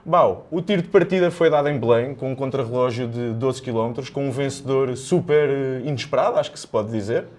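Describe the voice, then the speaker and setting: A man's voice: medium pitch, fairly quick, hardly any pauses, a little mellow. A man with a European Portuguese accent, hosting a podcast with conversational sports analysis. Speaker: podcast host.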